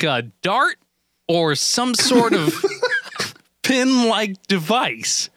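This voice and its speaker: A man's voice: sits high, bright, forceful tone, dry recording. A man co-hosting a podcast in casual, joking chat, laughing often and wandering off on tangents. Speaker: podcast co-host. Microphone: desk microphone.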